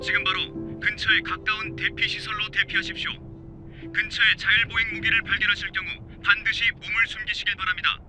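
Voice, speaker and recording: A man voicing an emergency announcer whose air raid warning plays over a distant loudspeaker, in a flat, urgent manner. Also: sits high, a little fast, over music. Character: adult male civil defense announcer, urgent.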